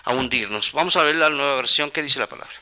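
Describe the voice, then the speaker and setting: A man preaching a sermon, talking conversationally to his listeners, often adding "¿verdad?" and swinging between soft asides and emphatic points. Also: mid-range voice, fast talker.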